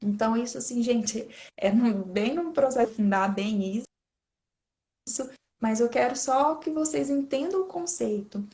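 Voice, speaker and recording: A woman's voice: a little high, unhurried, mellow. A woman in her thirties with a Brazilian Portuguese accent, giving an informal talk on raising children and often turning to her listeners. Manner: chatty, keeps addressing listeners as "gente". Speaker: parenting speaker. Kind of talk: informal talk to an online audience.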